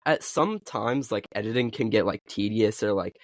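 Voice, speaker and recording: A man's voice: on the low side, animated, no room sound, studio quality. Young man chatting, heavy with fillers. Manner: halting, filler-heavy, lots of "like". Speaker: podcast co-host and video creator. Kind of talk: casual podcast chat.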